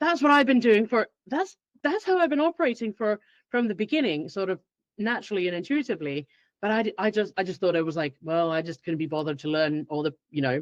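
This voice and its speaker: Speaking at a very fast pace, a woman with a medium-pitched voice makes very wide pitch swings. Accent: Finnish. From Finland. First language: Finnish. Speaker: behavioral strategist. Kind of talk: podcast interview.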